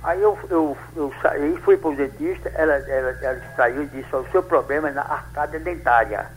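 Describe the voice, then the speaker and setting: Old guy in his 80s calling a radio show, kinda high voice, stumbles and restarts a lot, faint hiss on the phone line. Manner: rambling, halting storytelling with many restarts. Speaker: caller.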